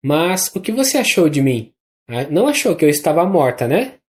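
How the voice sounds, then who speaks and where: The narrator voicing an adult noblewoman mother, soft and choked with tears, with a Brazilian Portuguese accent. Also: mid-range voice, very animated, moderate pace, lightly acted. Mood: tender.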